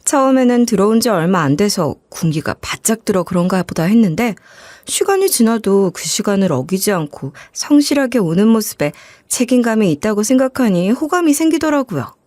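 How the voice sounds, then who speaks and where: A woman narrating a scripted life story in a gentle, even storytelling manner. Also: medium pitch, fairly quick, no room sound.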